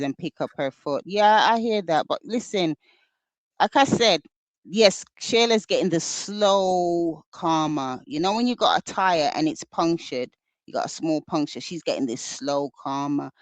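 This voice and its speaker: A woman with a London accent co-hosting a casual commentary chat, animated and playful, joking in mock patois. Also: deep voice, unhurried, no room sound. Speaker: co-host.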